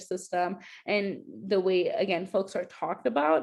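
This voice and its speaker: A woman talks at a fairly slow pace over a quiet background. Her pitch is medium. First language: Spanish. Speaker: youth advocate presenter, former foster youth. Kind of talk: webinar presentation. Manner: halting, many fillers.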